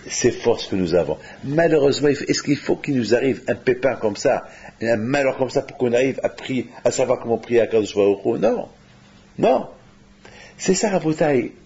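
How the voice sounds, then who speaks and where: Animated preacher man, dull lo-fi recording. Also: breathy edge. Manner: animated, rising to high exclamations then dropping low. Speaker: rabbi. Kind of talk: sermon.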